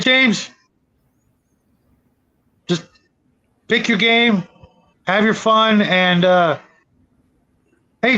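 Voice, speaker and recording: A man's voice: high-pitched, bright, forceful tone, dull audio. A middle-aged man hosting a casual livestream chat. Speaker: show host.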